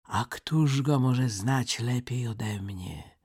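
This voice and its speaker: A storyteller voicing a reindeer from the far north, speaking slowly and half whispering in a husky voice. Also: medium pitch, heavily acted. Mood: dreamy hushed. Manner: slow, hushed, dreamy.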